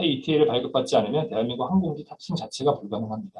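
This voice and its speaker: A somewhat breathy man speaks at a very fast pace with fairly high pitch. His intonation is lively. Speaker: consular officer giving info session. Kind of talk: informational lecture. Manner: formal.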